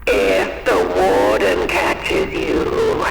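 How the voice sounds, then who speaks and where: An actor playing a suave, sinister mastermind in a horror audio drama, gloating with theatrical mock politeness. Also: male voice, low voice, fairly even intonation, drawn-out words, vocal fry, exaggerated voice. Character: suave, sinister male mastermind presiding over a deadly manor. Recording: echoing hall, music behind.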